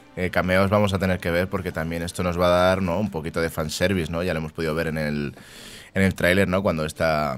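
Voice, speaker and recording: Here a man's voice is very deep and low in pitch. He talks at a very fast pace with ordinary pitch variation. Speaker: podcast guest. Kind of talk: casual chat.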